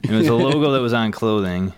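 A man's voice: medium pitch, quick pace, smooth. A man in his thirties chatting as a podcast guest, telling stories and acting out his own panicked thoughts. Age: 30s. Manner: animated storytelling, acts out panicked inner voices. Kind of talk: casual chat.

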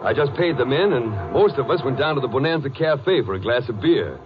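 A muffled, noisy vintage radio recording carries a man with a Southern American accent and very animated pitch. An actor plays an easygoing oilfield boss who drawls folksy answers with plenty of hesitation. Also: fairly quick, close to an everyday voice. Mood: folksy, recollecting. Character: folksy, easygoing male Texas oil drilling boss. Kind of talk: 1950s radio western crime drama acting.

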